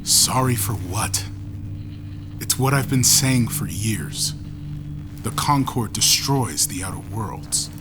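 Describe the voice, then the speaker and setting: An actor playing a bitter, sardonic rebel prisoner in a science fiction audio drama, wry and resigned. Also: male voice, lowish voice, expressive, slow, over music.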